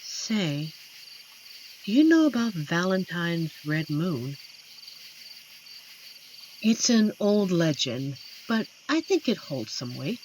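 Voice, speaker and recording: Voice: medium pitch, big pitch swings, darkish tone, slight background noise, poor audio. A performer voicing an amiable, lonely werewolf who protects a forest, speaking tenderly and earnestly in a scripted roleplay addressed to the listener. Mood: hushed storytelling. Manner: tender, earnest, playfully corny, hesitant pauses. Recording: clear insect and night ambience behind. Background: crickets and forest night ambience.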